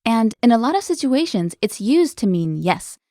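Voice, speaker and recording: A woman with a slightly high voice hosts a language lesson, explaining each word in a clear, upbeat way. The sound is close and dry, with no room around it. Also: very animated, normal speed, dark tone, no room sound. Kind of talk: scripted lesson dialogue.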